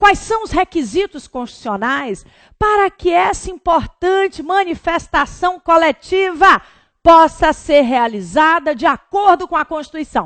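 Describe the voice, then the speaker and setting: At an extremely high pitch, a woman speaks at a fairly slow pace. Her tone is animated and her intonation lively. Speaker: law exam prep teacher. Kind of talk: online revision lecture.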